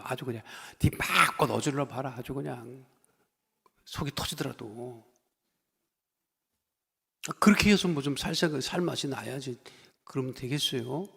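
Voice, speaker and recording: Gravelly-voiced pastor preaching in a hall. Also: male voice, mid-range voice. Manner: folksy and joking, acts out quoted voices, climbs to loud exhortations. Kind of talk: sermon. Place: church sanctuary. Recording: long church hall reverb.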